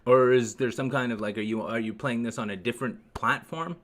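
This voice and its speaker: A man's voice: mid-range voice, brisk, fairly bright tone. A man hosting a live stream, chatting to viewers in a rambling, sarcastic and profane way. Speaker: livestream host.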